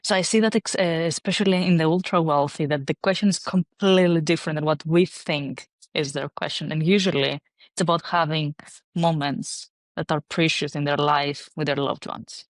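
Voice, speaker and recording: A woman's voice: low voice, fairly even intonation, normal speed, no room sound. A woman from Greece, a guest in an interview, speaking in a reflective, thoughtful way. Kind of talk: conversational interview.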